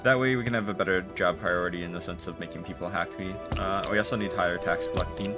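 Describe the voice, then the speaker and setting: A man's voice: deep voice, steady tone, fast talker. A man giving casual video game commentary, fumbling for words as he trails off and restarts his sentences. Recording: music playing behind the voice. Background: game music.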